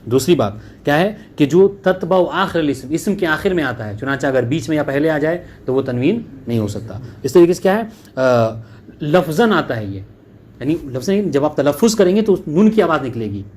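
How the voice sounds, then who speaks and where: A man with a dark, mellow voice teaches Arabic grammar to a class. He reads the Arabic text slowly before explaining it in quicker talk. He checks again and again that his students have understood, with faint background noise. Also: on the high side, expressive. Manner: keeps checking understanding with "clear?" and "okay".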